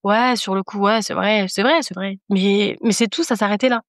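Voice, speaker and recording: A woman's voice: medium pitch, steady tone, moderate pace, no echo, clean studio sound. A woman speaking as a podcast guest in casual conversation, giving an earnest, emphatic personal testimony and repeating phrases for emphasis.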